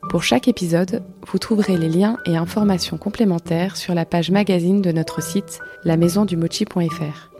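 Calm woman hosting a podcast. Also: fairly low pitch, normal speed, few pauses. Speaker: podcast host. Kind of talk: scripted intro and interview. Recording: faint music behind.

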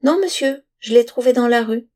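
A woman's voice: on the high side, normal speed, mellow, pitched above the performer's own voice, close to an everyday voice. A woman voicing an earnest, stubborn poor boy who pleads and insists, in a storybook reading. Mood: pleading.

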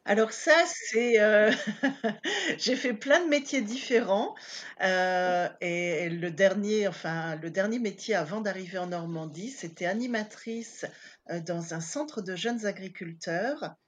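A woman's voice: mid-range voice, takes it slowly. A woman in her fifties from Paris, chatting casually as an interview guest, with many hesitant fillers. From Paris, France. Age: 50s.

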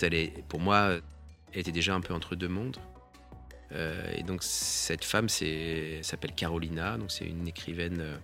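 A man, a photographer, giving a reflective and halting spoken account of one of his photographs, restarting his sentences often. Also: low-pitched, creaky, bright, forceful tone. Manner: halting, with many restarts and pauses.

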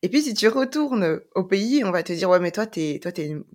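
A young woman from Brussels, hosting a podcast and telling stories lively, acting out exchanges. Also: medium pitch, fairly quick. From Brussels, Belgium. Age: young adult. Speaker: podcast host. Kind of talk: casual podcast conversation.

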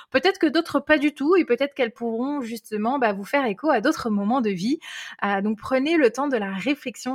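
A woman, hosting her own podcast in a chatty way, with many hesitations. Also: a little high. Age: 30s. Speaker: podcast host. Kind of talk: casual solo podcast talk.

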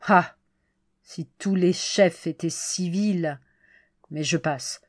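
Slow, measured woman storyteller. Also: fairly low pitch, dry recording, studio quality. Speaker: reader. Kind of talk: audiobook narration of a classic short story.

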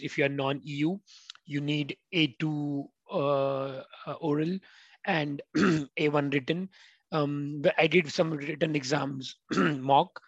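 A man's voice: on the high side, no room sound. Hesitant man on a dull call line. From India. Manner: hesitant, many fillers. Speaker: guest, former language student. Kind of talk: casual interview. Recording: dull, dry call audio.

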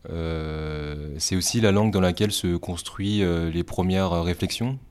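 Very deep-voiced man, measured and deliberate. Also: a little mellow, clear, resonant tone. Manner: measured, deliberate, many pauses. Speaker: interviewee. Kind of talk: reflective explanation.

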